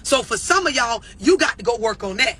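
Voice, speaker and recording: A man's voice: very high voice, animated, brisk, pushed and bright, husky. A man giving a profane, preachy self-help rant on a live stream, blunt and emphatic, often repeating himself for effect. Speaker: self-help motivational speaker.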